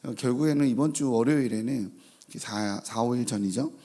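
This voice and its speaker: A male pastor giving an early-morning sermon in a church. He reads scripture slowly and carefully, then tells family stories in a relaxed, chatty way. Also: mid-range voice. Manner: slow, measured scripture reading, then relaxed anecdotal storytelling. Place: church sanctuary with congregation.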